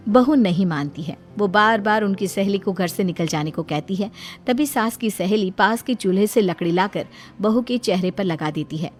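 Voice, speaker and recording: A woman's voice: mid-range voice, animated, normal speed, few pauses, faint music behind. A woman giving scripted, dramatic story narration.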